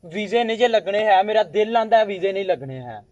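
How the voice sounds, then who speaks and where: A man's voice: sits high, animated, fast, a little mellow, no echo, dull audio. A man playing a stubborn, pleading village man. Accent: Pakistani Punjabi. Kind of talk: amateur village drama.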